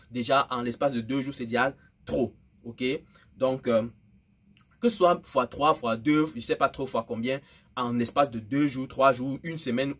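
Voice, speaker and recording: Host, male, husky voice, excitable direct-to-camera delivery with lots of rhetorical questions. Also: mid-range voice. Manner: animated, exclaiming, with many "n'est-ce pas" and "vous voyez". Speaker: host of a trading channel.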